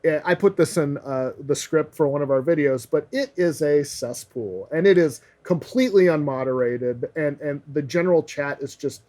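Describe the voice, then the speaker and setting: A man's voice: a little high, expressive, normal speed, hardly any pauses, a little mellow. A man co-hosting a casual panel discussion, talking conversationally with hesitant restarts.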